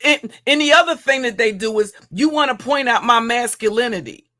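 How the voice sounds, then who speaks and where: Woman streamer, deep heavy voice, taunting and crude, loops back over her own lines. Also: expressive, brisk, bright, forceful tone. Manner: mocking, insulting, repeats and restarts phrases. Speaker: livestream commentator. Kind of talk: profane roast rant.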